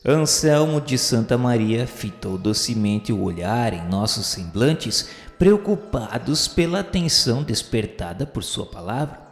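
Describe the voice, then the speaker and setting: A man's voice: mid-range voice, very animated. Solemn male narrator in reverberant room. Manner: measured, solemn literary reading. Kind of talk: scripted radio novel narration. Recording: roomy reverberant sound with music bed. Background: music.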